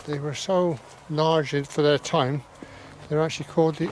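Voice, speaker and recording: A man speaks at a moderate pace over light background noise, with a dry sound and no echo. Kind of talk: casual vlog commentary. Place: forest. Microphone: phone near.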